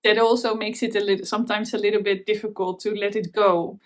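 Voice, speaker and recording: Talking to camera in a relaxed way, a knitting podcast host from the Netherlands speaks with a Dutch accent, stumbling through plenty of fillers and restarts. Her medium-pitched voice is level in tone and fairly quick.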